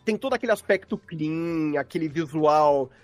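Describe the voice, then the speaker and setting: A man's voice: a little high, expressive, normal speed, darkish tone, no room sound. A Brazilian man explaining things in casual, rambling, slangy conversation, like a guest on a podcast. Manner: informal, rambling, uses slang.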